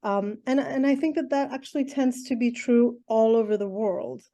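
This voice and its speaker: A woman's voice: fairly high pitch, moderate pace, dark tone. A middle-aged woman from Iran, an educational therapist answering interview questions thoughtfully, with many ums and restarts.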